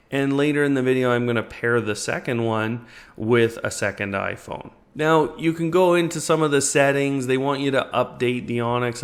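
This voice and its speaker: A man hosting a product review, explaining things step by step in a conversational unboxing and tutorial style. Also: mid-range voice.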